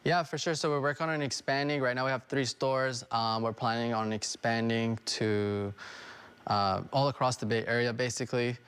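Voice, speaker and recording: A young adult man who owns a restaurant, interviewed on TV and speaking in a relaxed, friendly way with many fillers. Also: medium pitch, normal speed, clean tone. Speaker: restaurant owner guest. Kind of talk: casual interview.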